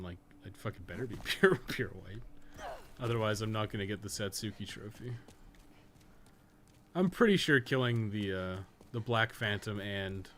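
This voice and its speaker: Low-voiced man chatting on a gaming stream. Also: fairly bright tone. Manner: rambling, frequently swearing. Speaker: game live streamer, podcast co-host. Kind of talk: casual livestream chat while gaming.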